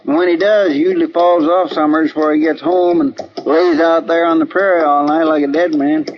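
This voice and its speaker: An actor playing a poor, easygoing frontier deputy who talks in a slow, folksy rural drawl, in a 1950s radio drama. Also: male voice, on the high side, steady tone, close to an everyday voice. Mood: gossipy. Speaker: marshal's helper. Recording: dull old radio broadcast, faint hiss.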